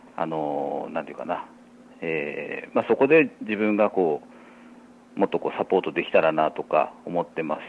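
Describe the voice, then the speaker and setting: A man's moderately paced speech, broken by long, frequent pauses. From Nagasaki, Japan (Konagai, Isahaya Bay). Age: young. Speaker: fisherman. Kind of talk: interview. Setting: phone call.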